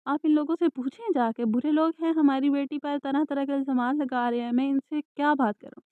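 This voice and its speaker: A woman's voice: sits high, steady tone, no echo, lightly acted. A woman voicing a worried, despairing middle-aged mother in an audiobook, lamenting. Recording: dry, tinny phone-like sound.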